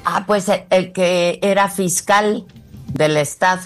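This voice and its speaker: A woman interviewing a guest on a talk show, asking brisk questions and explaining news plainly. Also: on the low side, fairly even intonation, soft background music.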